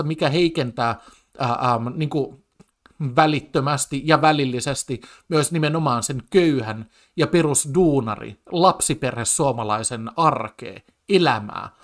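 Agitated man ranting over a debate clip. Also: on the high side. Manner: agitated, full of stammered restarts and fillers. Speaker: commentator reacting to a TV debate clip. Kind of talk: casual spoken commentary.

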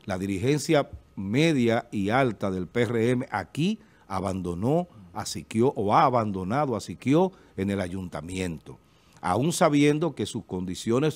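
A middle-aged man with a Dominican accent, giving emphatic political commentary as a TV panelist at a desk microphone. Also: mid-range voice. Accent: Dominican Spanish. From Dominican Republic. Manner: emphatic, gestures with hands, repeats filler eh. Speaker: panelist on a local TV talk show. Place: TV studio. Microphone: desk studio microphone.

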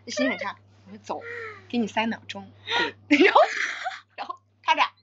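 A woman's voice: sits high, very animated, a little fast, a bit bright, husky. A young woman hosting a casual idol livestream, giggling and acting out scenes as she tells stories and thanks viewers for their votes. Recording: dull lo-fi livestream audio.

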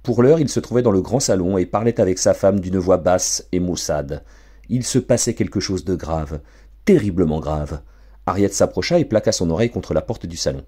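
A man narrating a storybook for an audiobook in an expressive, theatrical way. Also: low voice, brisk, hardly any pauses, breathy edge. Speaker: audiobook reader.

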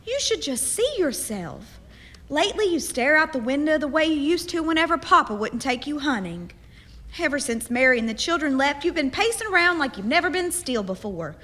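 An actress playing a warm, teasing, candid frontier aunt in a radio drama, folksy and expressive. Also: female voice, sits high, normal speed. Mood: concerned, probing.

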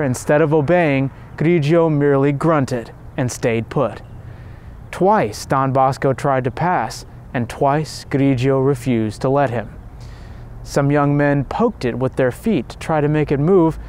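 A man narrating a devotional story in an earnest, measured way as the host of his channel. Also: mid-range voice, a little mellow, clean tone.

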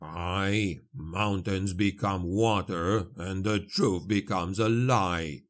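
Casting: male reader as grim dwarf fighter, slow, low, muttered gruff orders, impatient temper, fantasy audiobook. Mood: gruff, grudging. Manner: grunting, muttering, terse commands.

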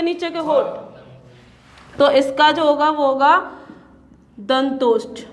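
High pitched lady teacher, slow and patient, keeps repeating sounds and quizzing the class. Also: fairly bright tone. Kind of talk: classroom lecture.

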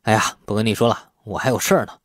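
A man's voice: on the low side, fairly even intonation, quick pace, fairly bright tone, dry recording, studio quality, lightly acted. Wary, bossy young man, as a narrator plays him. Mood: impatient.

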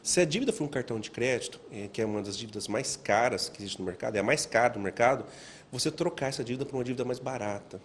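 A man's voice: medium pitch, racing, slight background noise. A man in his forties with a Brazilian accent, explaining things as an expert in an interview. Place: indoor office. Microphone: handheld interview microphone.

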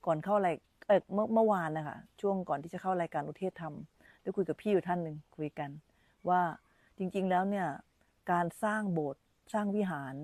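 A woman's voice: fairly low pitch, darkish tone, no echo. A woman meditation teacher giving an informal dharma talk on a live stream, chatty and repeating her phrases as she talks with children around her.

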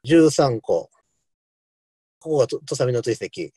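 A man giving an online history lecture, talking in a loose, rambling way full of fillers and lively asides. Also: medium pitch, unhurried, breathy edge, dry recording.

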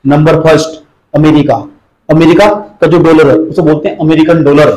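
A man with a high voice teaches an exam-prep class in an echoey room. He drills each point over and over, fires questions at his students and scolds them when they don't follow. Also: steady tone, normal speed, darkish tone.

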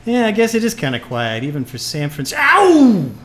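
A woman's voice: mid-range voice, wildly swooping pitch, fairly quick. A woman acting a bitter, wisecracking retired male jazz musician in a live noir audio play, talking in hep-cat slang. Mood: rattled, incredulous. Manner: hep-cat slang, sardonic, stammers when rattled. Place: live on stage in a club.

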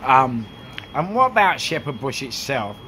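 A man interviewing a cafe owner on a handheld phone, excitable, laughing often and tripping over his questions. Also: mid-range voice, measured pace, noisy background. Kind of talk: casual street interview. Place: small cafe, indoors.

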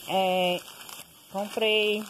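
Woman vlogger, unhurried home voice-over, plain listing delivery, noisy kitchen phone audio. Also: medium pitch, little pitch movement. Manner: slow, plain listing with fillers. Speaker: home cooking and grocery vlogger. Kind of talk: casual voice-over listing groceries. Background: pressure cooker hissing.

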